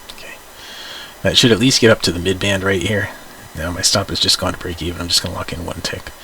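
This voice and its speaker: Whispering with an American accent, a man talks at a very fast pace yet leaves long, frequent pauses. Noticeable background noise is present. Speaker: trading educator. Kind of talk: live trading session. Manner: casual, filler-heavy, repeats words.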